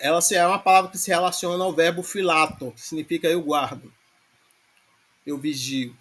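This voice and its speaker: A man's voice: on the high side, steady tone, a little fast, fairly bright tone. A man teaching a class, explaining grammar step by step and often checking in with his students. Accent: Brazilian Portuguese. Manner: explains patiently with many filler checks like "né?". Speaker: Greek language teacher. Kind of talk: online lecture on grammar.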